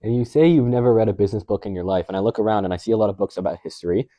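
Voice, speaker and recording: Fast-talking interviewer with a mellow voice. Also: male voice, lowish voice, dry recording. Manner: long, wordy questions full of setup. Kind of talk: interview questions.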